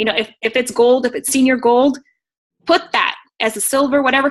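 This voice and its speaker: The tone is animated and the pace fairly quick. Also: woman. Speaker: team leader in direct sales. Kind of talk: motivational team meeting. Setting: video call. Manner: fast.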